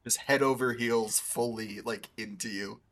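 A player in a tabletop game, talking in an animated, expressive way and quick to swear. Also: mid-range voice. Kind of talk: casual tabletop game play.

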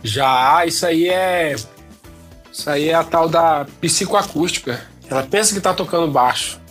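A man's voice: fairly high pitch, measured pace, a bit bright, soft background music. A man, a guest sound technician and DJ, telling a story in casual talk and repeating phrases for effect.

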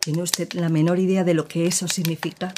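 An actress playing a woman who gravely recounts her partner's past in an audio drama, with measured, serious storytelling. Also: on the low side, level tone, background noise, lightly acted.

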